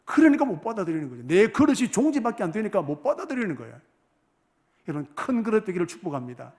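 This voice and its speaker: A male pastor delivers a sermon in a church sanctuary, his voice sitting a little higher than most men's. He keeps turning questions on the congregation and drops to near whispers before surging loud again. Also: sing-song, quick pace. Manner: asks the congregation rhetorical questions, loudness swings from hushed to forceful. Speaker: senior pastor.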